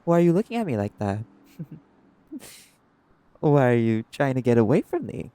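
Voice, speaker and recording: A man's voice: mid-range voice, sing-song, moderate pace, dark tone, no echo. A man playing a sinister doctor villain in an audio drama, mockingly polite and falsely caring. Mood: menacing, taunting. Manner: falsely solicitous, gloating, drawn out. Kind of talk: scripted audio roleplay acting.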